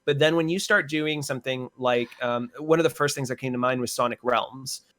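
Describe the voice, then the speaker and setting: A man's voice: mid-range voice, fairly quick, a bit bright. A man in a casual panel discussion, explaining his point piece by piece. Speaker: panelist on a podcast discussion show.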